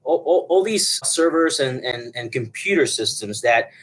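A man's voice: mid-range voice, lively intonation, moderate pace, a bit bright, rough recording. Rambling Puerto Rican-born man. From Puerto Rico. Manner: rambling, many fillers and restarts. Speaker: guest broadcast engineer. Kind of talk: conversational interview.

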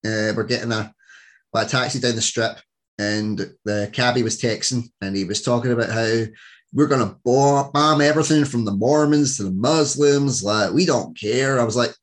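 A man's voice: mid-range voice, normal speed. A man hosting a casual interview podcast, joking and rambling as he talks with his guest over a call. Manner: jokey, rambling, laughs often. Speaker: podcast host.

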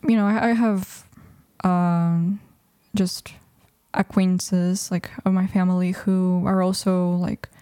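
Young woman with warm, mellow voice. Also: fairly low pitch, little pitch movement, slow pace, clear, resonant tone, dry recording, clean studio sound. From Mexico. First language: Russian. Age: 20s. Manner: thoughtful, hesitant, many restarts and fillers. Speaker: guest. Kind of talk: casual interview conversation.

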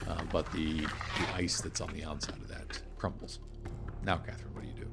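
A middle-aged man narrating an improvised tabletop game as game master, halting now and then to find his words. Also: rumbling low, steady tone, creaky. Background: music.

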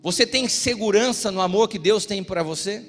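A middle-aged Brazilian pastor preaching a sermon with personal stories, shifting between loud exhortation and quiet storytelling. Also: male voice, high-pitched, moderate pace. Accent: Brazilian Portuguese. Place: church. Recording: reverberant church hall with music.

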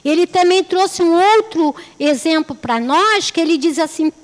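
A woman's voice: very high-pitched, animated, measured pace, long reverb tail. A woman giving a religious talk, telling stories in a chatty way, repeating phrases and asking rhetorical questions. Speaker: lay speaker at a spiritist center.

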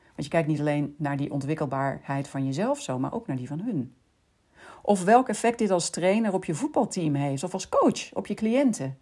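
A woman hosting a podcast, calmly explaining in scripted narration and speaking directly to the listener. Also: deep voice, moderate pace, slightly rough. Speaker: podcast host.

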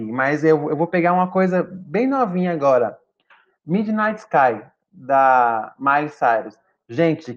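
A man with a Brazilian Portuguese accent in casual chat, campy and playful, laughing often. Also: on the high side. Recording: dull lo-fi mic.

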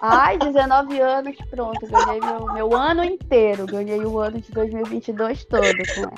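A woman, chatting casually as a guest author in an interview, explaining things in an animated way. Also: on the high side, normal speed, soft background music. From Pará, northern Brazil.

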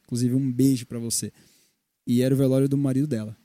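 A man's voice: medium pitch, fast talker, dry recording. A young man with a Brazilian Portuguese accent, telling personal faith stories in a casual Christian podcast chat and acting out the quoted dialogue. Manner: animated storyteller, acts out quoted dialogue. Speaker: podcast co-host.

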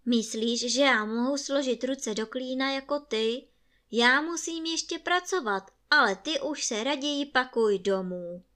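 A woman's voice: sits high, a bit bright, pitched above the performer's own voice. A woman voicing a grumpy older woodcutter who scolds his son angrily. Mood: gruff. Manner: angry, scolding.

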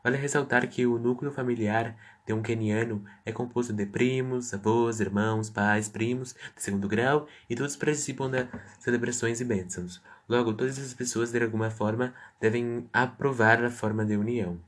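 A man's voice: mid-range voice, steady tone, moderate pace, hardly any pauses. A man answering interview questions as a guest, reading prepared answers with stumbling restarts.

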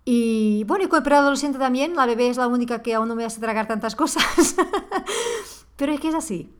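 A woman's voice: high voice, expressive, moderate pace. Earnest impassioned woman. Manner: speaks straight to the listener. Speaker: parenting podcast host. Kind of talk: podcast monologue.

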